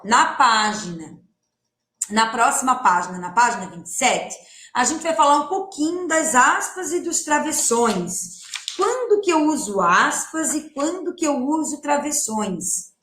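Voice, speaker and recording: A woman teacher with a Brazilian Portuguese accent records a lesson for young children. Her fairly high voice moves a lot as she slowly stretches words and asks question after question. The room has a noticeable echo. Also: big pitch swings, a bit bright, a little hiss or hum. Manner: slow, drawn-out words, questioning the class. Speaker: primary school teacher.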